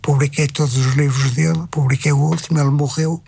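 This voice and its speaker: Husky older Portuguese publisher. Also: male voice, on the high side, little pitch movement, darkish tone, no echo. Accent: European Portuguese. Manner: measured, repeats phrases as he thinks. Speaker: retired publisher, guest. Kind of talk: reflective conversation.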